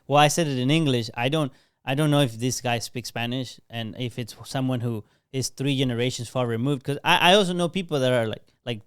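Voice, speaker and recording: Guy on a podcast laying out his reasoning, clean smooth voice, dry sound. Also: mid-range voice, no room sound. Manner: reasoned, explanatory. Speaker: podcast co-host. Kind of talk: casual chat.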